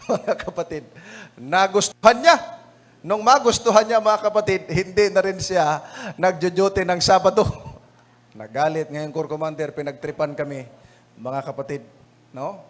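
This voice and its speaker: A man with a Filipino accent, an evangelist telling funny anecdotes in a lesson-review sermon, chatty and often laughing as he addresses the brethren. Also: fairly high pitch. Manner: chatty, laughing, often says "mga kapatid".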